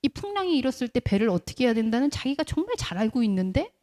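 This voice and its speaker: A woman's voice: fairly high pitch, very animated, fast talker, a little mellow. A woman pastor preaching a conversational sermon, telling stories and asking the congregation rhetorical questions. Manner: briefly acts out quoted voices in the middle of speech.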